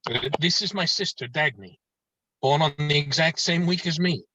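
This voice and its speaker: A man playing a gentle, proud young man showing friends his home, in a measured script read with slightly muffled call audio. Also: a little high, dry recording. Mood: proud, affectionate. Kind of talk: table read of a film script.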